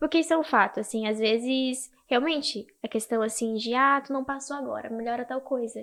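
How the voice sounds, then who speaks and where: A soft-spoken woman with a high voice speaks with fairly even intonation and hardly any pauses, on a very clean recording with a silent background. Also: moderate pace. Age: 20s. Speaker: worship singer. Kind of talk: podcast interview.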